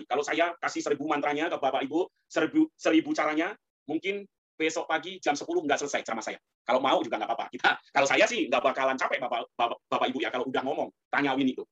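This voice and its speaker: A man's voice: high-pitched, bright, forceful tone, lo-fi sound. A man giving a Buddhist sermon in a colloquial, rhetorical way, often turning to address the congregation directly. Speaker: Buddhist preacher.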